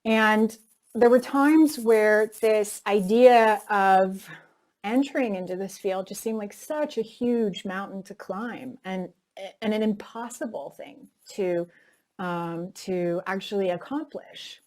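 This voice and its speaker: A woman speaks in an interview at a middle pitch, neither high nor low. She tells her story in a candid, reflective way, with plenty of casual "like" and "you know" along the way. The talk is unscripted and personal. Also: slow pace, a little mellow. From North America. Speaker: actress interviewee.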